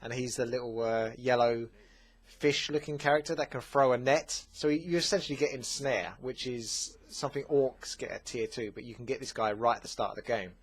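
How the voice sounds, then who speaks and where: A man with an Essex accent, hosting a gaming channel, answering viewer questions in a relaxed, chatty way with plenty of fillers. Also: mid-range voice, fairly quick, breathy edge. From England. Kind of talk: casual Q&A commentary.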